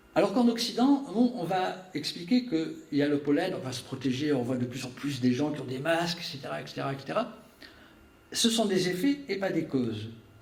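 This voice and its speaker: A man speaks fairly quickly in a high voice, his pitch swinging very widely. Background noise is noticeable. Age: 60s. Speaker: traditional Chinese medicine practitioner. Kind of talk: interview. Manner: hesitant, repeats words.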